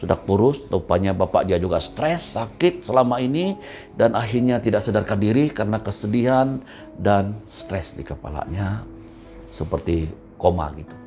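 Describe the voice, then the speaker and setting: Gravelly low-voiced preacher. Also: male voice, expressive, normal speed. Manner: vivid storyteller who acts out the voices of his characters. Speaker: pastor. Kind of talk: storytelling sermon. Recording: muffled recording with soft music behind.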